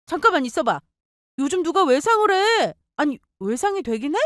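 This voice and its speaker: A young sister-in-law fires off disbelieving questions, as a woman reading a story puts her on. Her voice sits high and moves a lot. The sound is dry and close. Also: very animated, moderate pace, no echo. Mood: shocked. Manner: incredulous, questioning.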